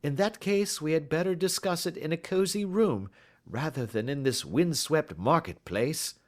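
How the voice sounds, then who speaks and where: A man voicing a calm, shrewd gentleman detective who speaks blandly and with assurance in a storybook reading. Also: fairly high pitch, moderate pace, pitched above the performer's own voice, natural voice. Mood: bland assured. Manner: bland, smooth and self-assured.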